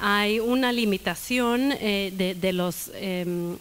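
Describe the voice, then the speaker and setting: A woman talks with a Swedish accent. Her pitch varies in an ordinary way. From Sweden, northern. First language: Swedish (speaking Spanish). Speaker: EU official giving a talk. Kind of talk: lecture. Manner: halting, with fillers and restarts.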